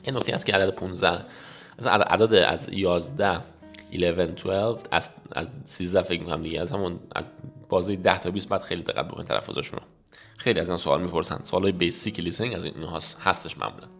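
Low-voiced Persian man teaching English. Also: vocal fry, fairly bright tone, soft background music. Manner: slow, exaggerated reading of English example lines; explains rapidly in casual Persian, addressing viewers as kids. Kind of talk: language lesson explaining dialogue.

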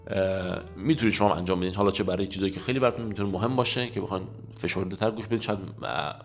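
Guy teaching english, voice a bit low, quick soft asides, faint music in the back. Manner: reads English lines slowly and translates them. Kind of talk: language lesson.

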